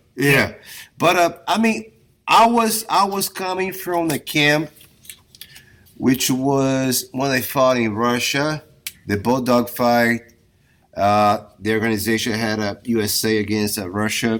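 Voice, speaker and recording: Very slow pace from a man with a Portuguese accent, lively intonation and long, frequent pauses. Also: medium pitch for a man. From Brazil, small town. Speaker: mixed martial arts fighter and coach. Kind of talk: interview. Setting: remote call.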